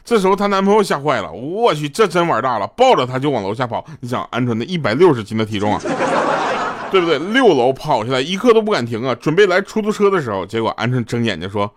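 A man's voice: mid-range voice, very animated, fast talker. Joking male radio host, chuckling. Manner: joking storyteller, chuckles between punchlines; loose, stumbling restarts. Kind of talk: comedic radio chat.

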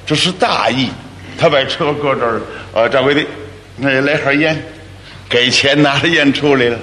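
A man telling a solo comic story in a lively, wry manner. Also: mid-range voice, normal speed. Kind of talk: solo crosstalk monologue. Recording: echoey hall, faint noise.

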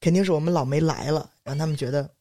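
A man's voice: on the high side, fast talker, mellow, slight background noise. A man telling workplace stories in a casual chat. He is blunt, swears freely, and mocks people as he acts out what they said. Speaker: podcast co-host.

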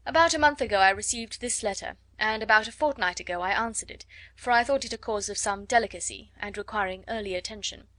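A woman voicing a wry, teasing middle-aged gentleman who speaks in a calm, measured way in an audiobook. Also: medium pitch, no room sound, lightly acted. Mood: dry. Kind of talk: audiobook character voice.

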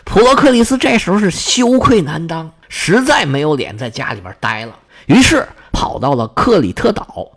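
A man's voice: on the high side, big pitch swings, moderate pace, few pauses, a bit bright. A man telling myths in a folksy, chatty storyteller's way, with asides to his listeners.

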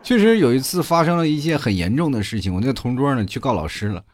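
A young man from Inner Mongolia, hosting a comedy podcast and telling funny school stories in a chatty, animated way, full of asides to listeners. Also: medium pitch, quick pace. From Inner Mongolia, China. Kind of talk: comic storytelling monologue.

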